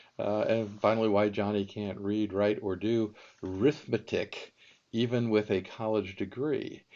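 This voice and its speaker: This is an unremarkable speaking voice with fairly even intonation. The pace is fairly slow. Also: man, fairly low pitch for a man. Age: 60s. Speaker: data management speaker and teacher. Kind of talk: lecture. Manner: many filler words (uh, um).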